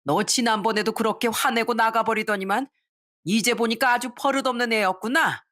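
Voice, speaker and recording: A woman's voice: a little high, fairly even intonation, fairly quick, a bit bright, voice pushed up, lightly acted. A woman voicing a haughty middle-aged mother-in-law who scolds and sneers in a storybook drama. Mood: scornful.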